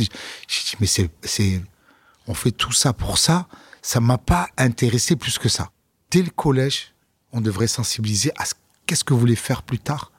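A man's voice: fairly low pitch, slightly rough, dry recording. A man, a comedian, talking casually in an interview, telling stories with fillers and restarts. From France. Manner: relaxed storytelling, many fillers and restarts. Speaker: comedian guest.

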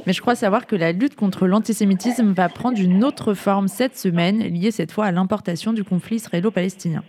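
A woman hosting a radio show, friendly and brisk as she introduces segments. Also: mid-range voice, darkish tone.

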